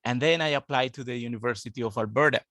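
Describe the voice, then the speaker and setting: Guy in his 50s, steady and earnest, dry close sound. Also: mid-range voice, rapid-fire, dry recording. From Colombia. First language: Spanish. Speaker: guest, international student advisor. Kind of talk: interview, telling his life story.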